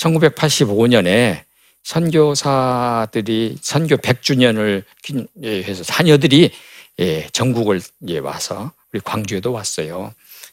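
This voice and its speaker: A man speaks at a very slow pace with lively intonation and a medium pitch. The recording is very clean with a silent background and a dry, close sound with no echo. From South Korea, Gwangju (Jeolla region). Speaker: pastor and retired theology professor. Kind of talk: lecture.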